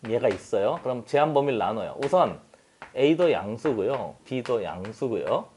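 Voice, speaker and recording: Man, math tutor, classroom lesson, chatty, teasing, animated pitch. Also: normal speed, a little hiss or hum. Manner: chatty, teasing, asks for agreement often.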